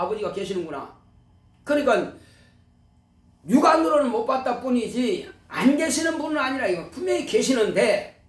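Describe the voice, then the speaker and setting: Male pastor, emphatic sermon delivery, high animated voice, recorded far off in a roomy sanctuary. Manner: emphatic preaching, rhetorical questions to the congregation. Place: church sanctuary.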